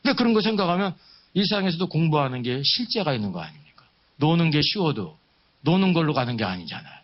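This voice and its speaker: A man delivers a sermon in a fairly high voice that swings widely in pitch. He teaches emphatically, posing questions to his listeners and repeating key phrases, on a somewhat dull, lo-fi recording. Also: big pitch swings, fast talker. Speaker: preacher leading a Bible seminar. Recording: dull, muffled lo-fi sound.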